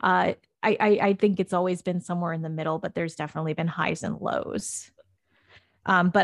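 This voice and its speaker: With a New York State accent, a woman talks at a fairly low pitch with ordinary pitch variation against a quiet background. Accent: American, New York State. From upstate New York. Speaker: podcaster. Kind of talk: casual interview.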